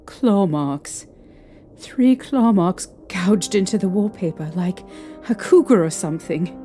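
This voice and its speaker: A young woman playing a distraught, haunted mother recounting her ordeal emotionally and haltingly in an audio drama. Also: medium pitch, animated, dark tone, faint music behind. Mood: horrified.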